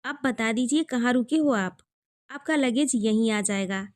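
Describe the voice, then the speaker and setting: A friendly, reassuring young man , voiced by a woman reading the story. He speaks in a high, warmly assuring voice. It is an audio story reading. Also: unhurried, no room sound, studio quality, natural voice.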